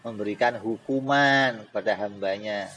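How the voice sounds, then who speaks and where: A man teaching Islamic theology, animated, with rhetorical questions and joking asides. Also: lowish voice, normal speed, slight background noise, low-quality recording. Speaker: religious teacher.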